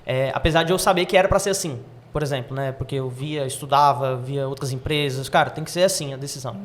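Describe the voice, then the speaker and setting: A young man, the son in a family business, talking in an animated, casual way with slangy fillers. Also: medium pitch. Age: young adult. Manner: fast, animated, uses slang fillers like "cara". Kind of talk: casual interview talk.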